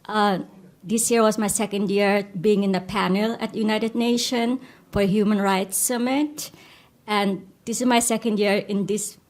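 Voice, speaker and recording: A woman's voice: medium pitch, fairly even intonation, unhurried, a little mellow. Eager young woman from Bangladesh. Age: young adult. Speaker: award recipient and health policy analyst. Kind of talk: acceptance speech.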